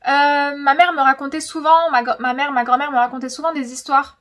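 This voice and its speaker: High-pitched young woman, chatty and dramatic. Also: level tone, a little fast, a bit bright. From francophone, of Algerian descent. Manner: chatty, dramatic, emphatic, repeats words for effect. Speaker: YouTube host. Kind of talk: casual storytelling vlog.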